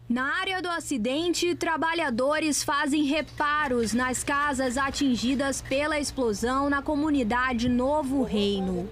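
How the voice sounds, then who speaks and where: A woman reporter narrating a TV news story with a crisp reporting cadence. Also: high voice, unhurried, few pauses, a bit bright, a little hiss or hum.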